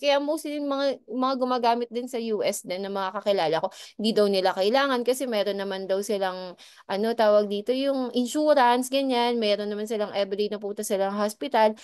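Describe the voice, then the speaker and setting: A woman's voice: fairly high pitch, a little mellow, clean tone. A woman sharing her business testimony with a team, in a conversational way with frequent rhetorical asides to the audience and polite, respectful particles. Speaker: business distributor giving a testimony. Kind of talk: motivational testimonial talk to a team.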